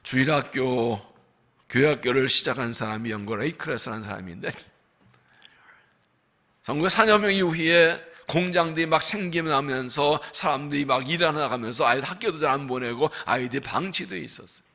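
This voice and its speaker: A man preaching a dawn revival sermon as senior pastor, swinging between fervent outbursts and hushed asides and acting out the dialogue of biblical figures. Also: mid-range voice, fairly quick.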